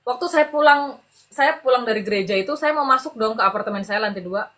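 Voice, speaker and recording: A middle-aged woman telling her personal story as a podcast guest in an animated, chatty way, laughing often and acting out the voices of the people she quotes. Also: fairly high pitch, fast talker. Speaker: podcast guest giving a testimony. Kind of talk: conversational storytelling.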